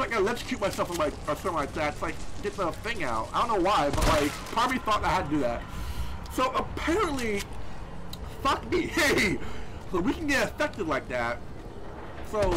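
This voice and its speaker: A man's voice: high-pitched, background noise. A man with a lisp giving rambling, swearing commentary over a horror game, often restarting his sentences. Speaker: gameplay commentator. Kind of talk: let's play commentary.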